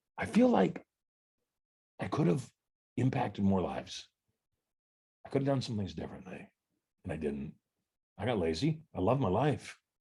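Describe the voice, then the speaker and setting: Somewhat breathy and dark, mellow in tone, a man speaks at a fairly low pitch and moderate pace. His pitch swings very widely, broken by long, frequent pauses. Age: 60s. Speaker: motivational speaker. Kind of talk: sales pitch. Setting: webinar. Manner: animated.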